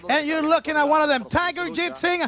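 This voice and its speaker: A man calling a wrestling match play-by-play as a lucha libre announcer, with an excitable manner. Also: extremely high pitch, a little fast.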